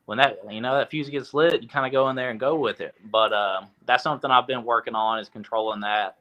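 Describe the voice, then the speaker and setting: A young man from Tennessee, a boxer, answering interview questions in a relaxed way with lots of fillers. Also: mid-range voice, fairly quick. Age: young adult. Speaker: boxer, guest.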